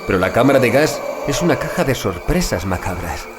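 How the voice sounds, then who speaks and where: A man narrating a horror audiobook as a shaken witness recounting grim events, in grave, literary, deliberate phrasing. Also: mid-range voice, sing-song, natural voice. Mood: tense, horrified. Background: music behind the voice.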